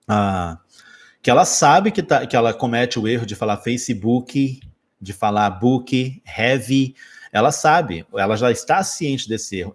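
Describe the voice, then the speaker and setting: A Brazilian man, an English teacher, talking through a casual spoken lesson with a Brazilian Portuguese accent, joking and correcting himself as he goes. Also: mid-range voice. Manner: lively, joking, quick asides and self-corrections.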